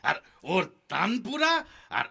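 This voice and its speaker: Creaky old village man. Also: high voice, very animated, slow pace, pushed and bright, heavily acted. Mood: earnest, pleading. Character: old village man, anxious peacemaking elder. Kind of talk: cartoon voice acting. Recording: music under the voice.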